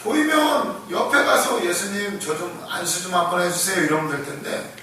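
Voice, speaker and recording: A man preaching a conversational sermon to a congregation, acting out the blind men's shouting and laughing often as he tells the story. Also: high voice, moderate pace, a little hiss or hum. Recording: echoey room, voice from far off the mic.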